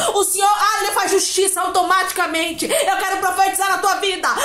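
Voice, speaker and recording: In a room with audible echo, a woman with an extremely high voice speaks fairly quickly and in an animated tone. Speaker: preacher. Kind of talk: sermon. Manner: animated, exhorting, fervent; repetitive, rhythmic, with frequent hallelujahs. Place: home room. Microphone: phone near.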